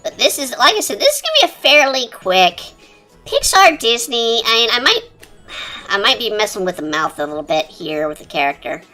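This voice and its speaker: A streamer talking through a high-pitched chipmunk voice changer in rambling, casual chat while drawing. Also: very animated, brisk. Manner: rambling, chatty, lots of fillers. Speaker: art streamer. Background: quiet cafe-style background music.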